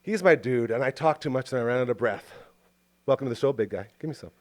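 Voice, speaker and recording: A man's voice: mid-range voice, quick pace. A man with a Canadian accent hosting a podcast in a small home studio booth, talking in a rambling, enthusiastic, jokey way. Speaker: podcast host. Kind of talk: casual interview chat.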